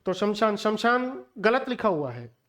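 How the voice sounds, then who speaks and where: A man's voice: high-pitched, sing-song, measured pace, fairly bright tone. A male teacher gives a spoken language lesson aimed at exam preparation. He lectures emphatically and speaks straight to his students. He drills pronunciations by saying the same word several times in a row. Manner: emphatic, drills words by repeating them; lecturing, addresses viewers directly. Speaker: Hindi teacher.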